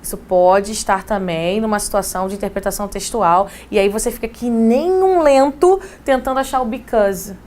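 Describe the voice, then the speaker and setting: A woman's voice: medium pitch, normal speed, hardly any pauses, darkish tone. A woman giving a casual exam-prep English lesson, talking straight to her students. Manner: casual, chatty teacher who addresses students directly. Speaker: English teacher.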